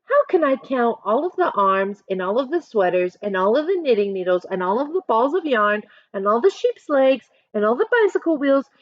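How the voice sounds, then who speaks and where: A woman voicing an excitable, dramatic young girl from a storybook who is obsessed with counting and exclaims breathlessly. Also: fairly high pitch, moderate pace, few pauses, dry recording, muffled recording. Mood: frantic.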